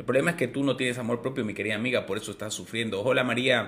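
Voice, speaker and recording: A man speaks with ordinary pitch variation. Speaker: relationship coach. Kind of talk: advice monologue to camera. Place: home room.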